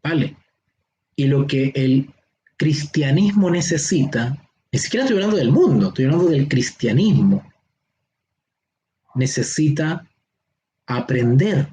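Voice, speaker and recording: A man with a Chilean accent teaching a Bible seminar online. He explains slowly, stretches key words and keeps checking that his listeners follow. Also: fairly high pitch, animated, mellow. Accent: Chilean Spanish. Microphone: online class or teleconference.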